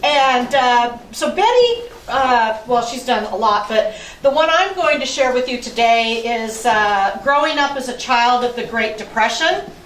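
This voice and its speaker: Speaking at a fairly slow pace, a woman with a high pitch and ordinary pitch variation is heard over noticeable background noise. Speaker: heritage association president. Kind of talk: event introduction.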